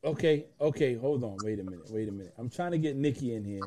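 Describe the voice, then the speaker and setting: A man hosting a casual sports chat, talking in an animated, slangy way and often repeating words. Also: medium pitch, fast. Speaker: podcast host.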